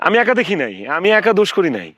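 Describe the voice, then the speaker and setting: A man's voice: high voice, huge pitch swings, rapid-fire, fairly bright tone, no echo, highs cut off, exaggerated voice. A man playing a flustered foreign visitor in a comedy skit, stammering out pleading excuses.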